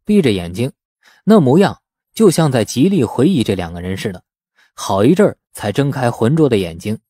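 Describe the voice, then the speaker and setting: A male audiobook narrator with a mellow, warm tone and a medium pitch. He reads fiction dramatically, with lively intonation, in a dry, close recording. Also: moderate pace, no echo. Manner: expressive storytelling. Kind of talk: dramatic scripted narration of a novel.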